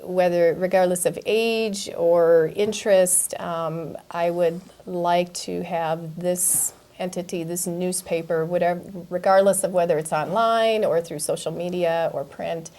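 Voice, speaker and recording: A woman answers as an interview guest. Her voice sits a little low, and she speaks earnestly, feeling her way through each unscripted answer in a halting manner. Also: fairly even intonation, mellow. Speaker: newspaper publisher being interviewed.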